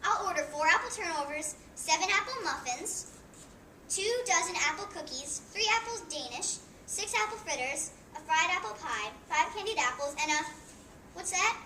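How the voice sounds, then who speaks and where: A woman's voice: very high-pitched, lively intonation, moderate pace, sharp tone, heavily acted. A teenage girl playing an exasperated, overworked young Snow White with a sweet tooth in a chatty, complaining stage monologue. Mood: tempted. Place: indoor room at a library performance. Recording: roomy, distant mic, faint noise.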